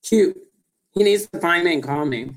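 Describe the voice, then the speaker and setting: A woman with a Southern US accent, hosting a casual chat show and telling a lively story. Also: on the low side, moderate pace. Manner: animated storyteller acting out quoted dialogue. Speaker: podcast host.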